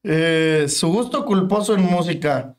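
A man's voice: on the high side, animated, unhurried. A young man with a Mexican accent, co-hosting a casual podcast, slangy and swearing freely. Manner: slangy, swears freely, reads listener donations. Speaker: podcast co-host. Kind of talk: casual chat.

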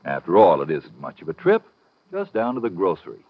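American man, vintage radio ad announcer, husky, lively intonation, folksy selling, dull old recording. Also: deep voice, a little fast. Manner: folksy, colloquial sales patter. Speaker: commercial announcer. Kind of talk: 1950s radio sponsor advertisement.

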